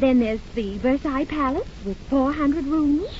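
The voice moves at a moderate pace with lively intonation. The sound is dry with no echo, over light background noise. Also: woman. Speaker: wife in a radio comedy sketch. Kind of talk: old-time radio comedy sketch. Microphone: old recording.

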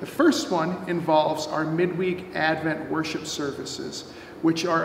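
Light background noise and audible room echo surround a man speaking at a high pitch. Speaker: minister. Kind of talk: worship welcome and announcements. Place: church.

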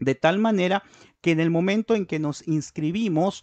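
A man against a quiet background. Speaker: catechist and computer science teacher; computer science teacher. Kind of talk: online course lecture. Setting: live online stream. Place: home room. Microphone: studio mic.

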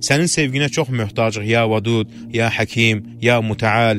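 A man speaks with an unremarkable speaking voice at medium pitch. His intonation is fairly even. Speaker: religious prayer leader. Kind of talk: prayer. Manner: solemn.

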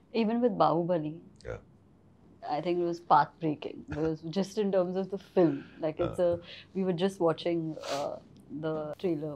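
Over light background noise, a woman with a fairly low pitch and a dark, mellow tone talks at a moderate pace, using ordinary pitch variation and long, frequent pauses. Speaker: talk show host; podcast host. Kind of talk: interview questions. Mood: warm, smiling. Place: studio.

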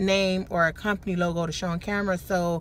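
Light background noise behind a woman, the sound dry with no echo. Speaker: vlogger. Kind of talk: casual vlog chat. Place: car. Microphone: phone near.

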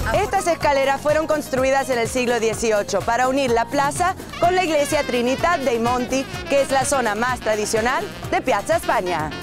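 Over music in the background, the speaker talks at a very fast pace with lively intonation and very even loudness. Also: woman, high pitch for a woman. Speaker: TV host and actress. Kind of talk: Spanish travel show narration.

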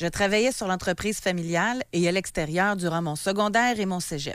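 A woman at a moderate pace, lively intonation, a dry sound with no echo, a quiet background. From Quebec. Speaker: radio co-host. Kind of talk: call-in radio show. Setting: studio. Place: studio.

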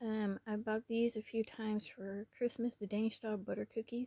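The speech moves at a moderate pace, the sound dry with no echo over a quiet background. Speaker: vlogger. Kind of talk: casual vlog chat. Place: home room. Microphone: phone near.

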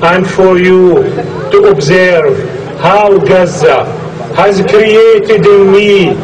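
A man with an Arabic accent speaks very slowly in a high pitch with fairly even intonation, amid audible room echo and noticeable background noise. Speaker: poet. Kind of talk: poetry reading. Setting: outdoor demonstration.

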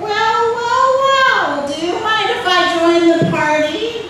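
Cackling in a put-on character voice, a woman speaks very slowly at an extremely high pitch, with strong echo and clear background noise. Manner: sly, mocking.

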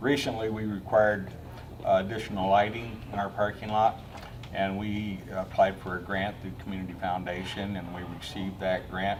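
Amid noticeable background noise and audible room echo, a man speaks at a fairly low pitch and moderate pace in a monotone, flat way. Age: 70s. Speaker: senior center representative. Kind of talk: public meeting presentation.

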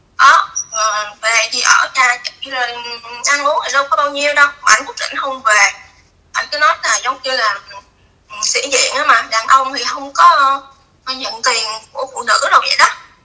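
A woman projects her raised, high-pitched voice with lively intonation at a moderate pace, taking long, frequent pauses over a quiet background. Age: 40s. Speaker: dating show participant; interviewee. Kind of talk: interview. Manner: halting, many fillers. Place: home room. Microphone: video call.

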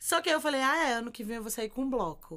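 Over a quiet background, a woman projects a raised voice with a bright, sharp tone. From Pernambuco, Brazil (Recife/Olinda); Pernambuco, Brazil. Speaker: content creator and columnist; content creator. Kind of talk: casual interview. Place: studio. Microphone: studio mic.

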